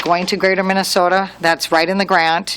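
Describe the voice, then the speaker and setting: A woman's voice at medium pitch and a moderate pace, with noticeable background noise. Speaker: city official presenting at council meeting. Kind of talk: public meeting report. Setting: city meeting room with microphones. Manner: loud; hesitant, many fillers.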